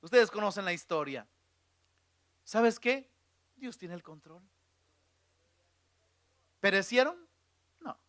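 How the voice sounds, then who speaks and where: A middle-aged male preacher, his voice high-pitched and bright. He tells the story dramatically, dropping to a hush and swelling again, and the recording is dry and close. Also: animated, slow pace, long pauses, no room sound. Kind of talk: sermon.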